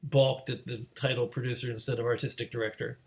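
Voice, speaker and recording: A man with a medium-pitched voice moderates an online question session. He talks casually, hesitating and meandering as he works through questions over a video call. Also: level tone, a little fast, gravelly. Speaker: host, moderator.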